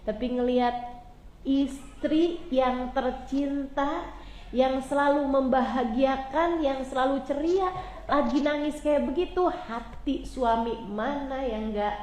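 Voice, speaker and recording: A woman preacher tells a story in a relaxed, chatty way, turning often to her listeners. Her voice sits fairly high, and the echoey room carries a faint ambient murmur. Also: takes it slowly, slight background noise. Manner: chatty, addresses listeners directly. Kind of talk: casual storytelling sermon.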